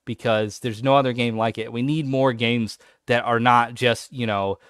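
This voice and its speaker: Enthusiastic man on a podcast, smooth voice. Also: medium pitch, normal speed, dry recording, clean studio sound. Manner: enthusiastic, animated when excited. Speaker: podcast co-host. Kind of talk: casual podcast chat.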